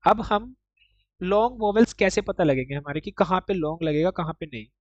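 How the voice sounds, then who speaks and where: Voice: medium pitch, animated, a little fast, no room sound, dull audio. This is a language teacher leading an online class, explaining Japanese writing piece by piece. The delivery keeps checking whether the students follow and slips English terms into the explanation. The recording is dry and close, with no room sound. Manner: explains step by step, often checks understanding with "ठीक" and "देखो"; mixes English words into Hindi explanation.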